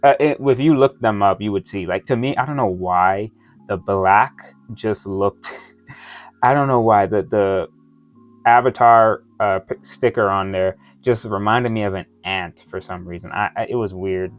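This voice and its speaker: Halting man with a slight retainer lisp. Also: fairly low pitch, faint music behind. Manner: halting, rambling, often losing his thread. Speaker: toy review vlogger. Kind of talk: casual unboxing review chat. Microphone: close microphone within his reach.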